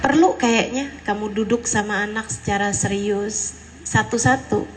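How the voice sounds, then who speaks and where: A woman's voice: mid-range voice, normal speed, a little hiss or hum, low-quality recording. A woman preacher giving a sermon to mothers, earnest and mixing in casual everyday slang. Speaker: female preacher addressing mothers.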